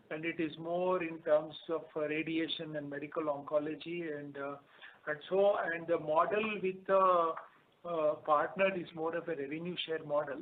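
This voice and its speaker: An Indian-accented man speaks as a company executive on an investor call. His voice sits fairly high for a man and comes haltingly over a narrow phone line with faint background noise. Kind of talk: corporate conference call answers. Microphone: telephone conference line.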